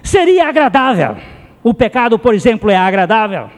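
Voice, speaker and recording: A man's voice: sits high, very animated, normal speed. A man preaching a sermon as a pastor, telling stories with passion and repeating phrases for emphasis. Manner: impassioned storytelling with repeated phrases. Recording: long hall reverb.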